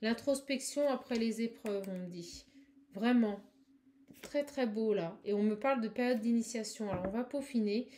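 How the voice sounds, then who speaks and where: A woman giving a spiritual card reading to viewers. She talks fast and effusively, with many exclamations, and addresses the listener directly. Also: fairly high pitch, mellow, a little hiss or hum. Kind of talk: live tarot-style channeling reading.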